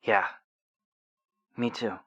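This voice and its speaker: An actor playing an awkward, apologetic supernatural teenager on a radio drama phone-in, halting and sheepish. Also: bright, forceful tone, dry recording. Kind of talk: scripted audio drama phone-in.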